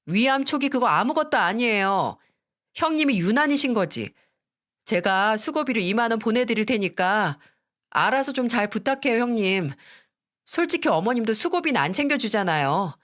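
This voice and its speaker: Sneering young sister-in-law, high and snippy, put on by a woman narrator; storybook radio drama. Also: lively intonation, normal speed, fairly bright tone. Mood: dismissive. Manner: sleepy, dismissive and mocking.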